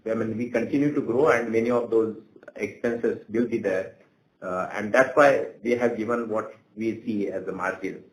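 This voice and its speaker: A man speaks in a low register with a creaky edge. He answers questions on an earnings call in halting phrases. The room adds noticeable echo. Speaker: company executive. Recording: roomy echo, faint background noise.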